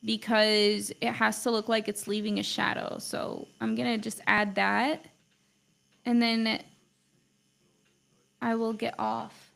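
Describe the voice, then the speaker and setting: Her voice is fairly high, gravelly, a bit bright and full of fry, with little pitch movement, a slow pace and long pauses. She's a young art teacher, not a native English speaker, rambling chattily and saying "like" a lot as she draws on a livestream.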